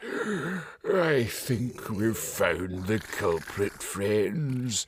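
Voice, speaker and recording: In a put-on character voice, the speaker goes very slowly while the pitch swings very widely. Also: man, medium pitch for a man. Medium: read story. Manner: oily, insinuating.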